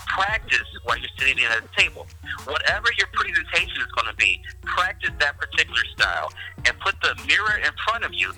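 Male cohost, really animated, bright piercing tone, giving tips. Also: on the high side, rough recording. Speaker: podcast co-host. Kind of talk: casual podcast chat.

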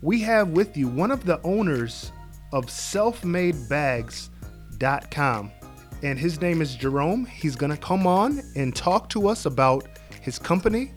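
A man with a somewhat high voice hosts a podcast. He speaks earnestly and encouragingly as he gives tips and introduces a guest. Soft music plays faintly beneath him. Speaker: podcast host. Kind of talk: casual podcast chat and interviewing.

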